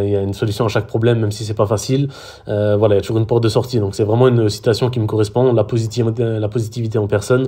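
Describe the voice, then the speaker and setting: The voice is a man's, fairly low in pitch and warm in tone. He's French and hesitantly presents a casual screen-recorded social media tutorial, stumbling over lots of fillers and restarts.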